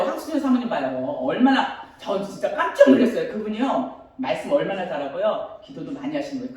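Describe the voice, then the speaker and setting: A woman's voice: medium pitch, a little mellow. A woman in her fifties, a pastor's wife giving a fervent, emotional church testimony and often laughing as she speaks. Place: church sanctuary. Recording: very echoey church hall from far off.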